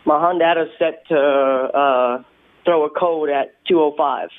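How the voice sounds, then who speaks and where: A male caller explains his car trouble over a tinny phone line, listing his repairs one by one. His voice sits a little high for a man. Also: steady tone, a little slow. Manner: lists his repairs plainly. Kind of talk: call-in radio question.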